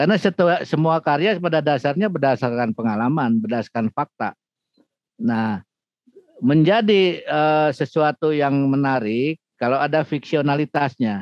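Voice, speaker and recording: This man has a plain, everyday voice, fairly high in pitch, with lively intonation. He talks at a fairly slow pace and keeps his loudness very even. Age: 60s. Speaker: writer and lecturer. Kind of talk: Q&A writing workshop.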